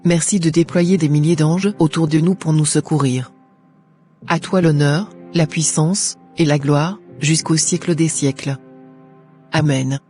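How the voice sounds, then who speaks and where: A man voicing a devout, grateful Christian mother in an animated morality tale, speaking in a formal, declamatory, husky way. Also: a little high, measured pace, soft background music, close to an everyday voice. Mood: grateful, prayerful.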